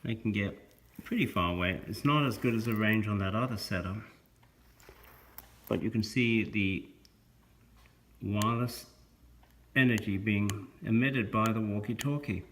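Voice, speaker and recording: Man, fairly low voice, science presenter, explanatory demo narration, measured short phrases, halting delivery. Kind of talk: explanatory narration of an electronics demonstration.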